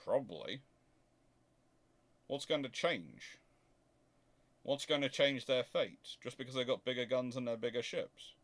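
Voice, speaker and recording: A man with a medium-pitched voice talks informally as he fields questions from his audience. He is emphatic and opinionated, often restating a point to make it land. His delivery is that of a host speaking off the cuff. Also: a little slow, pauses often. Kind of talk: informal naval history question-and-answer talk.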